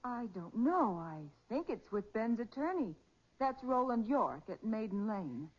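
An actress playing a bereaved sister, hesitant and plaintive, in the style of 1940s radio crime drama. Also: female voice, on the high side, sing-song, measured pace. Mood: subdued, hesitant. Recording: dull, muffled 1940s radio recording.

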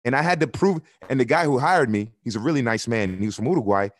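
A man's voice: mid-range voice, fast talker, dry recording, clean studio sound. A man from Miami, a soccer broadcaster speaking as a podcast guest, candid and earnest, building his points through repetition. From Miami, United States. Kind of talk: podcast interview.

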